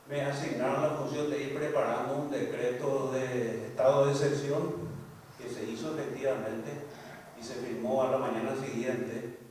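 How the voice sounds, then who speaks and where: An older man with a Paraguayan Spanish accent, giving formal courtroom testimony in a measured way, often restarting his phrases. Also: medium pitch, a little mellow, slight background noise. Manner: measured, recounting events with frequent restarts. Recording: echoey hall, distant mic, faint ambience.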